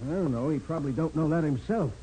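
A man's voice: fairly high pitch, animated, fast talker, dark tone, natural voice. An actor playing a blunt, slangy, overconfident police sergeant, a man in a 1940s radio crime drama. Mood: sure, impatient. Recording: noisy vintage 1940s radio recording.

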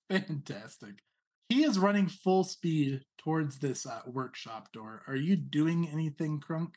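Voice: mid-range voice, lively intonation, takes it slowly, darkish tone. A game master narrating a tabletop role-playing game in a descriptive, amused way.

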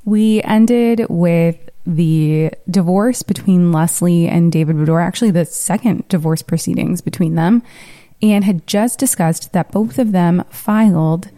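A woman's voice: lowish voice, unhurried, dark tone, dry recording. A woman hosting a podcast, giving conversational legal commentary in a blunt way. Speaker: podcast host.

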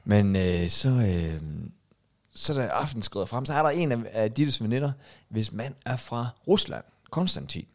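Gravelly, lively male podcast host. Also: mid-range voice. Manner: storytelling, animated, laughs often. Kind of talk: casual chat.

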